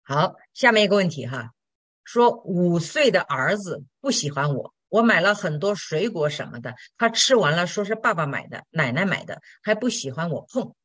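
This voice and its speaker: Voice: medium pitch, sing-song, normal speed, fairly bright tone, dry recording. Brief: straight-talking Christian teacher, Q&A sermon, dry close sound. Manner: direct, blunt, colloquial with tag questions. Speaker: Christian teacher answering listener questions. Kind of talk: sermon-style Q&A.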